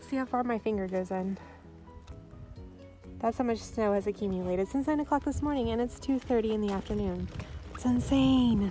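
A woman speaks with very even loudness and long, frequent pauses. The sound is dry with no echo, and faint music plays in the background. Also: ordinary pitch variation, moderate pace. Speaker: parent vlogger. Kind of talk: casual vlog chat. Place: garden. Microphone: phone near.

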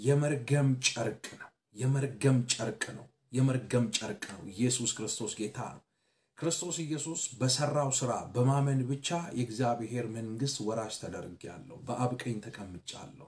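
A somewhat breathy male voice with ordinary pitch variation and big swings in loudness. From Ethiopia. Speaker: pastor. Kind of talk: sermon.

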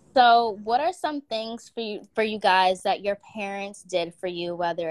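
In an ordinary speaking voice, a woman speaks at a moderate pace and fairly high pitch with ordinary pitch variation, the sound dry and close with no echo against a quiet background. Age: young. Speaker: video host leading group discussion. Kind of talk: casual group chat.

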